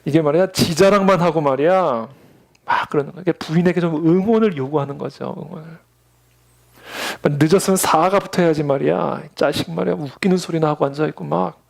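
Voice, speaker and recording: A man's voice: on the high side, a little fast, gravelly. A man preaching a Sunday sermon as pastor, telling stories and acting out the voices of the people in them. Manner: storytelling, acts out quoted voices.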